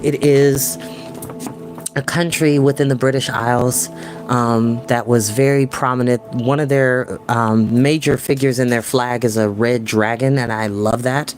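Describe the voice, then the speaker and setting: A man's voice: medium pitch, fairly even intonation, measured pace, faint music behind. A young adult man reading a book aloud as a storyteller, with casual, enthusiastic asides in slangy language. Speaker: storytime reader and host. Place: small home room with desk and bookshelves.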